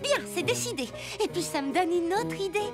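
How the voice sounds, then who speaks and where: A woman voicing a dramatic, feisty young girl in a children's cartoon, expressive and full of exclamation. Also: extremely high pitch, a little fast. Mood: excited. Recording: loud music behind the dialogue.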